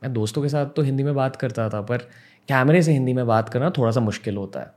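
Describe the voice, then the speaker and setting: A man's voice: medium pitch, fast talker, darkish tone. A young man from Mumbai, a podcast host, telling a personal story in an earnest, reflective way and mixing in English words. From Mumbai, India.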